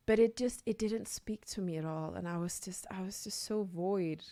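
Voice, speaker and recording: A woman's voice: medium pitch, moderate pace, dark tone. A woman from Denmark talking earnestly and reflectively as an interview guest, repeating phrases for emphasis and checking in with the listener. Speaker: radio guest, leadership and personal development coach. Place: radio studio.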